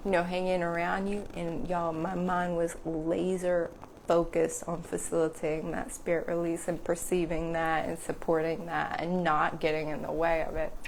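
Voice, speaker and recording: With audible room echo, a woman talks at a moderate pace in a fairly low pitch. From US South. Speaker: reiki practitioner. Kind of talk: casual livestream talk.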